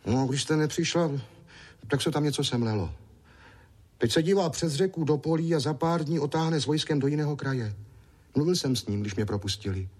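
A man's voice: a little high, darkish tone, breathy edge, pitched above the performer's own voice. Man doing an earnest little boy messenger. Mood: urgent.

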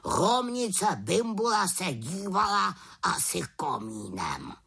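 A woman's voice: on the low side, big pitch swings, creaky, fairly bright tone, breathy edge, voice pushed up, heavily acted. A woman voicing a stern, scolding male raven in a storybook reading, with clipped warnings. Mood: grumbling. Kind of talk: storybook character voice.

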